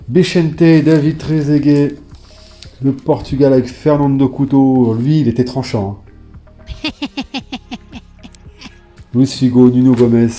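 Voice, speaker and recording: A man's voice: mid-range voice, dark tone. A man chatting casually in a vlog, reading off long lists of names with plenty of fillers. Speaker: YouTuber showing his old football card collection.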